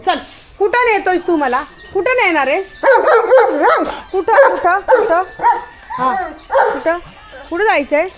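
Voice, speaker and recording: A woman, vlogging at home and scolding her pet dog in a loud, chiding way. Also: extremely high pitch, expressive, slow pace, long pauses, over a noisy crowd. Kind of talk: casual home vlog.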